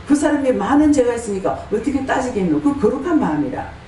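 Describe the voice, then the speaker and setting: A woman's voice: on the high side, very animated, fast, dark tone. Fiery Gyeongsang woman preacher, echoey hall. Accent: Gyeongsang Korean. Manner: scolding, full of rhetorical questions. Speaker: pastor and prayer house director. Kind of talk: fiery sermon. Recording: echoey hall, distant mic, faint noise.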